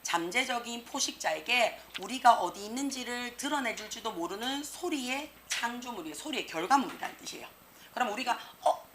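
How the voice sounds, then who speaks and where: A woman English teacher giving an exam prep lecture, lively and slangy, peppering students with rhetorical questions. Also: fairly high pitch, brisk, slight background noise. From South Korea.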